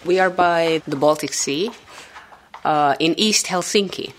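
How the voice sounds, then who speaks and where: A young woman whose first language is Somali, raised in Finland, telling her story in a relaxed, conversational way with many fillers. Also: sits low, measured pace, slight background noise. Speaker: interviewee. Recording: music bed underneath.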